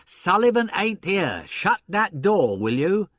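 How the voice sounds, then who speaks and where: Man playing a gruff, irritable cigar-smoking theatre man. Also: high voice, very animated, slow pace, a bit bright, no echo, pitched above the performer's own voice, full character voice. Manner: brusque, cursing.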